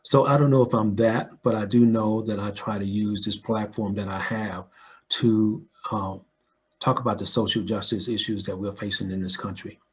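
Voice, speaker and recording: A man's voice: lowish voice, fairly even intonation, moderate pace. An older American man talking reflectively in a conversational interview, telling stories and often checking in with the listener. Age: older, 60s or above. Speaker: audio dramatist and filmmaker, interview guest.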